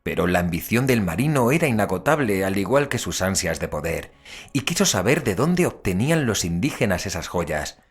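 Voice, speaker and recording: An actor playing an investigator who recounts a cursed town's grim history in expressive, deliberate Castilian Spanish for an audio drama. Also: male voice, deep voice, slightly rough, soft background music, full character voice. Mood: intrigued, ominous. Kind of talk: scripted audio drama narration.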